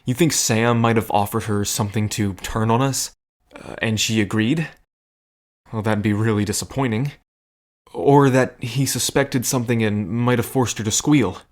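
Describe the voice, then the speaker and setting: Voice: medium pitch, fairly even intonation, moderate pace, natural voice. A performer acting a protective, stubborn friend in an audio drama, speaking firmly with dry sarcasm and care. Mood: tense, worried. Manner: firm, sarcastic, caring.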